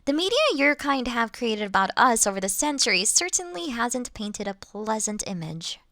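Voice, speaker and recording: A woman's voice: fairly high pitch, expressive, sharp tone, dry recording, studio quality. A woman voicing a kind, playful female vampire who reassures and teases politely in an intimate roleplay audio drama. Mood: pleased, gentle. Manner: soothing, polite, teasing, unhurried.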